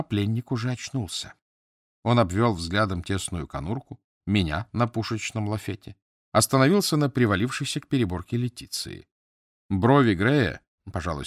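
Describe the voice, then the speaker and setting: A man reading an audiobook as scripted narration, measured and even. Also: on the low side, dry recording, clean studio sound.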